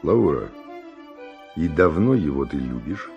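An actor playing a bold, passionate Spanish nobleman and seducer in a verse radio drama, declaiming ardently in a gravelly, husky voice. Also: a bass voice, big pitch swings, a little slow, muffled recording, faint music behind, exaggerated voice. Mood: jealous, scheming.

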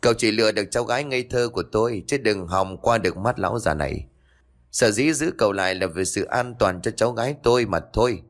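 Sly, bullying old man, read by a male narrator in a storybook tale; low, animated scolding. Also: quick pace. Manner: scolding, blunt. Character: gruff cunning old man, sharp-tongued and bullying.

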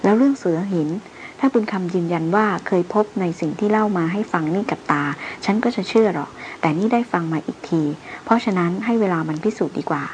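A woman reading the lines of a seasoned male hunter who speaks in a calm, level-headed and skeptical way. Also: mid-range voice, fast, a little hiss or hum, lightly acted. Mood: measured.

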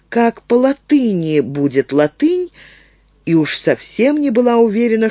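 A man narrating an audiobook in an expressive storytelling manner. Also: fairly high pitch, no room sound.

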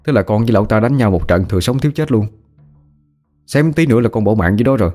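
A man with a fairly low voice performs the dialogue of a spoken story. He moves between characters and changes his tone for each one. Soft music plays faintly behind him. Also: animated, fast talker. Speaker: voice actor in an audio story. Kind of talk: dramatic story reading.

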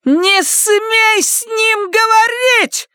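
A man voicing a furious, sarcastic middle-aged mother who screeches and yells. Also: extremely high pitch, expressive, measured pace, dry recording, clean studio sound, voice pushed up, heavily acted. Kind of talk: audiobook character reading.

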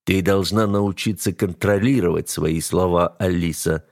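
A man's voice: low-pitched, steady tone, normal speed, creaky, a little mellow. A man voicing a cold, domineering heir to the throne who issues level, menacing warnings. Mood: commanding. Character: cold, domineering male heir, the narrator himself.

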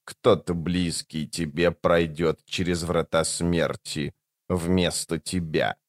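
A decrepit monster of death: low, trembling, drawn-out, mocking. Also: male voice, fairly even intonation, dry recording, studio quality. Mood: sardonic. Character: creaky decrepit death-servant monster, sardonic, sluggish.

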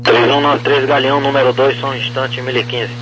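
A man working as an air traffic controller, reading clipped clearances over a crackly aviation radio. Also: medium pitch, flat delivery, a little fast, fairly bright tone. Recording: dull, noisy, humming radio transmission.

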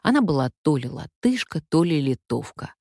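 An older woman from Siberia, a stage actress, telling stories from her own life in a wry, lively anecdotal way. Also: sits low, normal speed, no echo, clean studio sound. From Omsk, Siberia, Russia. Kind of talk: memoir storytelling.

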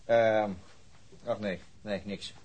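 Halting, evasive policeman, faint noise behind. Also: on the low side, fairly even intonation, a little mellow. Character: evasive, hesitant male policeman, reassuring a colleague. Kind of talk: radio drama dialogue.

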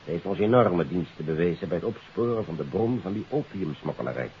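An actor playing an earnest, courteous police investigator in a 1950s radio drama, with a formal, deliberate and emphatic delivery. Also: male voice, low-pitched, lively intonation. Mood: grave, explanatory. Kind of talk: 1950s Dutch radio detective drama acting. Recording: dull, hissy 1950s radio recording.

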